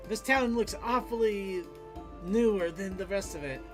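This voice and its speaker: High-pitched man, halting comedic read. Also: over music. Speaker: podcast cast member. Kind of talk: comedic character read with casual asides.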